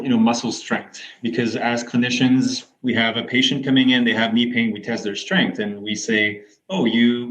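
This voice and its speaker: A man's voice: medium pitch, fairly bright tone. A man, a physiotherapist and researcher, explaining his ideas fluently and evenly as a guest in a podcast interview. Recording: dull lo-fi audio.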